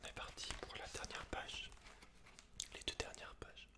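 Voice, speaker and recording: Slow and hushed, an ASMR creator reads in a breathy, voiceless whisper, dropping in offhand side remarks.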